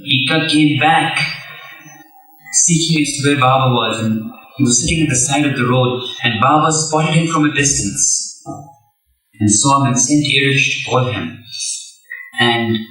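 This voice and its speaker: A man on a panel telling stories, hesitant with many pauses and chuckles, recorded from a distance in a hall. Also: medium pitch, bright, forceful tone. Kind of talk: storytelling on a panel. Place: hall at a gathering. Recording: echoey distant archival hall recording with faint music.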